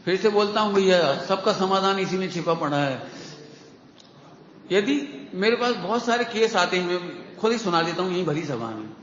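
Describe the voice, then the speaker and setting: A man giving a devotional sermon to a gathering, lively and questioning, repeating key phrases to his listeners. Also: high voice, moderate pace. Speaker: Jain preacher. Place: large hall with an audience. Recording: echoey hall, dull lo-fi sound, faint hiss.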